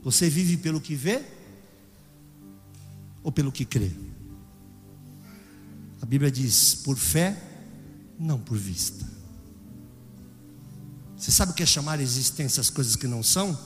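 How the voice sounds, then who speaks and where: A man preaching a sermon with a Brazilian Portuguese accent, swinging from loud exclamations to hushed storytelling. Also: mid-range voice, animated, unhurried, pauses often, big-room sound, faint music behind.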